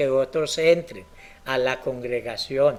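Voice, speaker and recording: With music in the background, a man speaks at a fairly slow pace using ordinary pitch variation. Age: 70s. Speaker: pastor. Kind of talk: sermon.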